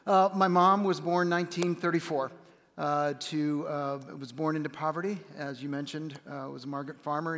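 A man in his fifties telling a family story to a church congregation in an earnest way. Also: fairly high pitch. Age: 50s. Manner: earnest, with frequent uh fillers. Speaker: church guest speaker. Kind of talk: storytelling on stage. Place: large church auditorium. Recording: long hall reverb.

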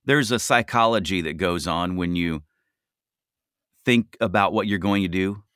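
A man with a deep, gritty voice talking earnestly and emphatically on a podcast, repeating his points. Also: measured pace, fairly bright tone, clean tone, no room sound, clean studio sound. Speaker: podcast co-host. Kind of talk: casual chat.

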